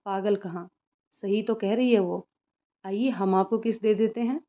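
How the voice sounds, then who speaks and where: A fond middle-aged father who jokes gently with his family, read by a woman narrator. He speaks with easy warmth, and the recording is a little dull. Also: mid-range voice, steady tone, unhurried, close to an everyday voice. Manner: fond and joking. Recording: slightly muffled lo-fi recording.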